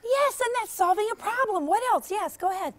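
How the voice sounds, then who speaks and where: A woman storyteller talking with young children in an encouraging, animated, teacherly way, asking questions and praising. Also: extremely high pitch, brisk, noisy background.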